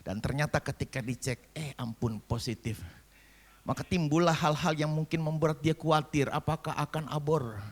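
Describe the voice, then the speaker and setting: A man's voice: fairly high pitch, normal speed. A man of sixty, a pastor preaching a sermon and telling a family story with acted-out dialogue and rising emphasis. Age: 60s.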